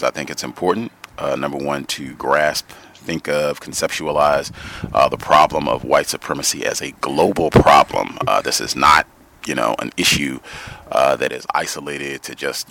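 A man hosting a call-in radio show, speaking in a measured way with frequent "uh" pauses between phrases. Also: rumbling low, vocal fry, sharp tone, slight background noise.

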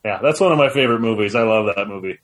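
A man's voice: fairly low pitch, rapid-fire, over a noisy crowd. A man co-hosting a podcast, chatting casually and telling a story with enthusiasm. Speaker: podcast co-host. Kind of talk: casual chat.

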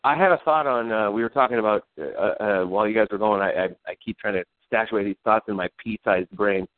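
Guy on a sports podcast, kinda low voice, rambly and jokey, tinny dry audio. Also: fast talker, no echo. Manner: rambling, self-deprecating, laughs a lot. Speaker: podcast co-host. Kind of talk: casual sports chat. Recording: tinny phone-like, dry sound.

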